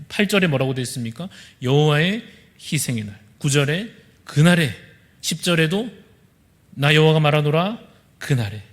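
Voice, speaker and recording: A male pastor with a Gyeongsang accent leads a verse-by-verse sermon in a church sanctuary, his voice sitting a little high for a man. He poses a question to the congregation, then answers it himself. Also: fairly bright tone. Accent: Gyeongsang Korean. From Busan, South Korea. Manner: expository preaching, asks the congregation questions and answers them.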